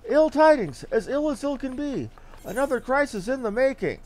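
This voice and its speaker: A man voicing a small, excitable young female helper from a fantasy game, in a theatrical, effusive manner. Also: extremely high pitch, moderate pace, voice pushed up. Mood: alarmed, gossipy. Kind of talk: reading game dialogue in character.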